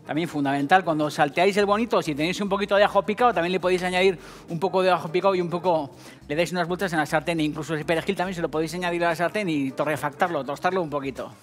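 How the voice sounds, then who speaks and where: A man's voice: fairly high pitch, fairly even intonation, rapid-fire, soft background music. A middle-aged man with a Basque Spanish accent hosting a casual cooking show, talking straight to viewers in a jokey, profane manner. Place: TV kitchen set.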